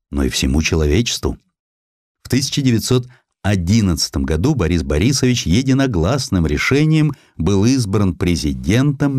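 A man narrating a literary historical sketch as an audiobook, in an expressive, measured, dramatic storytelling manner. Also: sits low, dry recording, studio quality.

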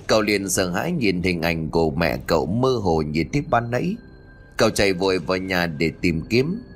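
A male storyteller reading a spooky tale with a low voice and a lively, rising-and-falling delivery. His reading is dramatic and expressive, with faint music underneath. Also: normal speed. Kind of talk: scripted narration.

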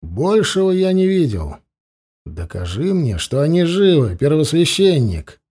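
A man voicing a tense male necromancer who clips his words and forces a cold calm. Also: fairly high pitch, measured pace, breathy edge, full character voice. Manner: clipped and cold, forcing calm.

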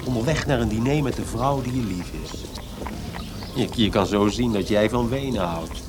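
An actor playing a fragile, self-pitying young poet in a Dutch radio drama, with a plaintive and halting delivery. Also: male voice, on the low side, over music, natural voice. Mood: self-doubting. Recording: radio play with noisy background ambience.

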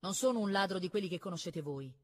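A woman's voice: medium pitch, very animated, a little fast, slightly rough, pitched above the performer's own voice. A woman reading aloud and voicing a proud, touchy young noble boy who speaks indignantly and boastfully.

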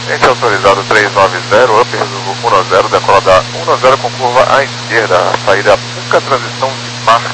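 A man's voice: lowish voice, brisk, hardly any pauses. A male airline pilot talking over aviation radio, making clipped, routine calls to air traffic control.

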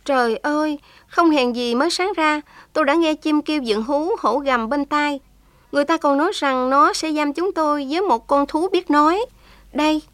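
A woman's voice: sits high, normal speed, fairly bright tone, dry recording, pitched above the performer's own voice. A woman voicing a young heroine who is daring and tender, pleading with feeling. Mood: impassioned. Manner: impassioned, tearful pleading.

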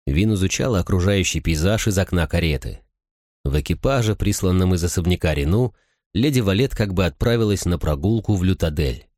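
A male narrator with a very deep, low voice reads an audiobook at a steady, measured pace. The recording is dry and close, with no room sound. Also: no room sound. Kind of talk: scripted narration.

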